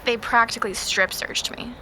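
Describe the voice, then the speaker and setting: A woman's voice: on the high side, fairly even intonation, normal speed, noisy background, lightly acted. An actress playing a savvy young woman, a racer's supportive girlfriend, casual and practical in an audio drama. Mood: wry. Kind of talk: acted audio drama dialogue.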